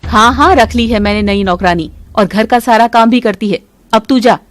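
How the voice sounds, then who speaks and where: A woman voicing a scheming, bossy middle-aged mother-in-law in an animated story, talking in a sharp, scolding, sly way. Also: fairly high pitch, normal speed, no echo, lightly acted.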